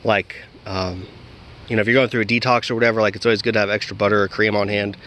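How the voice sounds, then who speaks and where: A man's voice: fairly low pitch, flat delivery, quick pace, fairly bright tone, a little hiss or hum. A man talking casually in a vlog, rambling with many fillers and restarts, recorded outdoors. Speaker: diet vlogger.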